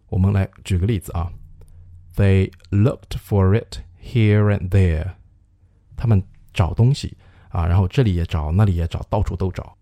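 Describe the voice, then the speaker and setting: A man hosting a radio-style English pronunciation lesson, patiently explaining and modeling phrases in slow, drawn-out repetitions. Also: low voice, warm tone, no room sound. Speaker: English teacher and show host.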